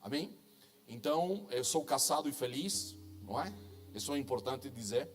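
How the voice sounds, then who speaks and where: A man's voice: medium pitch, animated, normal speed, faint music behind. A middle-aged man from Chile with a strong Chilean Spanish accent, preaching to a church congregation in a chatty, self-joking manner that keeps asking "não é?" and "amém?". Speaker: guest preacher. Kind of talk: sermon at a church conference. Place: church stage before a congregation.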